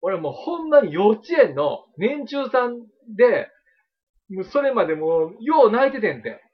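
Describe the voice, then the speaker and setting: Animated, high-pitched Kansai man chatting. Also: moderate pace, husky, muffled recording. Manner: rambling, emphatic, repeats himself. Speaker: radio talk show host. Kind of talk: casual chat.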